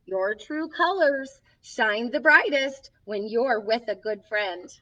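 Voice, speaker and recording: A woman's voice: fairly high pitch, expressive, takes it slowly, pushed and bright, heavily acted. A woman playing Snow White as a sweet, encouraging young princess, hosting a children's story time with sing-song, reassuring delivery, recorded from a distance with slightly dull sound. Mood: warm, encouraging. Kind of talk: children's storytelling, reading a picture book aloud.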